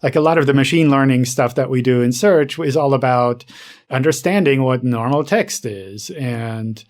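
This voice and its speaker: Man, medium pitch, casual podcast co-host, conversational, explanatory. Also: moderate pace.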